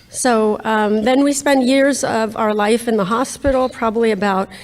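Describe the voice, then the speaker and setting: A woman with an American accent uses a normal speaking voice, talking at a fairly slow pace and fairly high pitch with ordinary pitch variation. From US West, Los Angeles. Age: 40s. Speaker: social worker and patient speaker. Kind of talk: conference talk. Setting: conference stage with audience.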